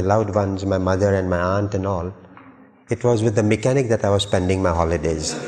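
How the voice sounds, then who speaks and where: With an Indian accent, a man talks at a very fast pace in a fairly low pitch and very even loudness, over noticeable background noise. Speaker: merchant seaman. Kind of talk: storytelling talk to a live audience.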